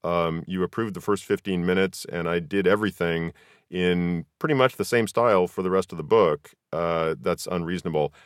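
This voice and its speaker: Man, very low voice, podcast host, measured delivery, conversational, dry recording. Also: clear, resonant tone, dry recording. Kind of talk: conversational interview.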